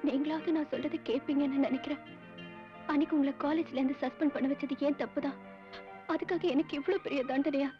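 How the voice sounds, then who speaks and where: An actress playing a proud, sharp-tongued young woman college student who answers with quick, pointed retorts. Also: high-pitched, steady tone, natural voice. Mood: pleading. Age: young adult. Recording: dull old film soundtrack with music.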